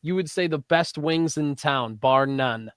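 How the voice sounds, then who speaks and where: A man's voice: a little high, measured pace, fairly bright tone, clean tone, no echo. A man co-hosting a local morning sports radio show, teasing his partner in casual banter. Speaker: co-host. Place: radio studio.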